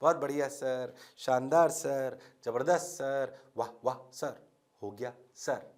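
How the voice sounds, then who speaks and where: A man mimicking his class of students, who agree eagerly and flatter their teacher in a sing-song chant. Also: medium pitch, slow, pitched below the performer's own voice, lightly acted.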